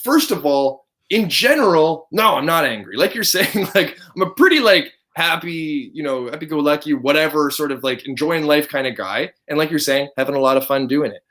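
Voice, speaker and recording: A man's voice: on the high side, expressive, normal speed, hardly any pauses, fairly bright tone. A man from Canada, a guest on a casual video chat, talking earnestly and stopping to search for words.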